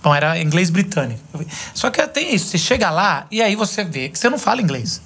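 Brazilian guy hosting a podcast, husky, talks with his hands, small studio. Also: high voice, quick pace. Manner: animated, gesturing storyteller. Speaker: podcast host. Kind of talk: casual podcast chat. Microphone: boom mic on desk arm.

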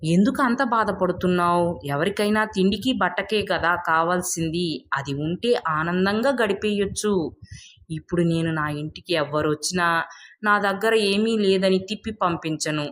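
A woman's voice: on the low side, moderate pace, a bit bright, lightly acted. A woman voicing a kind, generous, poor village man in a moral tale, speaking earnestly. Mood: content, firm.

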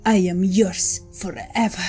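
An actress voicing a calm, cunning witch who sprinkles Spanish words, in an audio drama with faint music behind. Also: medium pitch, unhurried, close to an everyday voice. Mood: devoted.

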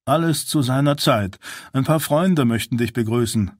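A man's voice: medium pitch, normal speed, dry recording, natural voice. Caring male officer, persuasive, in the male reader's plain voice, dry. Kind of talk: audiobook character voice.

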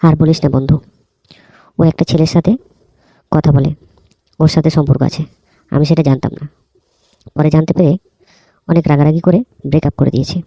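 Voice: medium pitch, steady tone, fairly quick, long pauses, warm tone, dry recording, lightly acted, poor audio. A performer voicing a broke, pleading cartoon friend who talks in a casual, chummy, coaxing way. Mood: aggrieved. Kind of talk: cartoon dialogue.

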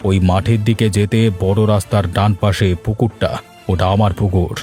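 For a cartoon, a man voices a domineering middle-aged village headman who commands and threatens in a stern mood. His voice is lowish, steady, dark in tone, and close to an everyday voice, at a moderate pace. Faint music plays behind him.

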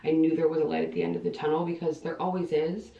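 A chatty woman in her late twenties, originally from Ohio, rambles casually to her vlog audience with a gravelly edge of vocal fry. She is recorded in a small bathroom, and the camera mic sits a few feet back, so her voice comes through roomy and a little dull. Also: deep voice, little pitch movement, quick pace, warm tone. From Ohio, United States. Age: 20s. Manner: chatty and rambling, frequent filler "like". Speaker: vlogger. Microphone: camera mic a few feet away. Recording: echoey bathroom, distant dull camera audio.

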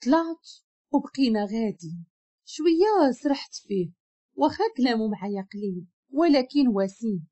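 Moroccan woman narrating her story, swooping lively pitch, warm dark tone. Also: moderate pace, slightly rough, lo-fi sound. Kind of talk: first-person story narration.

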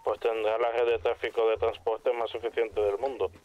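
A man's voice: fairly low pitch, flat delivery, moderate pace. A man chatting casually as he plays an online roleplay game with others. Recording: dull lo-fi game voice chat.

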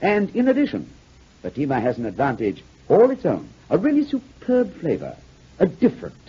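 A dull, lo-fi vintage broadcast of a man announcing. He delivers a 1940s radio advertisement with very lively, emphatic intonation. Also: high voice, breathy edge. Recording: muffled, lo-fi 1949 radio recording.

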